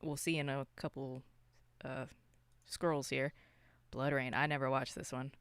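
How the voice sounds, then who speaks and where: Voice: mid-range voice, level tone, a little slow, fairly bright tone, smooth, dry recording. A podcast co-host chatting casually, with slangy, exclamatory interjections. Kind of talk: casual chat and reactions.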